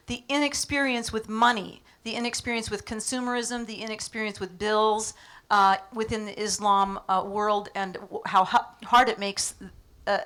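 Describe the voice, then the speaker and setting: A woman's voice: medium pitch, fairly bright tone. A woman interviewing a guest on stage before an audience, with enthusiastic, admiring reactions. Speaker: interviewer, host.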